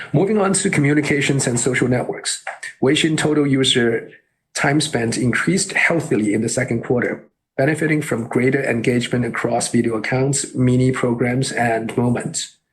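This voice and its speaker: A man reading a scripted earnings call presentation as a company executive, in a formal and measured way. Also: mid-range voice, rough recording.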